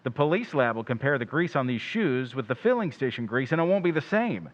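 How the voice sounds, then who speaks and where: Man acting a slangy, animated crime sleuth. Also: medium pitch, a little fast, muffled recording, natural voice. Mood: pressing, certain. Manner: slangy, hard-boiled. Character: sharp, confident male crime photographer sleuth. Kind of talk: 1940s radio drama acting.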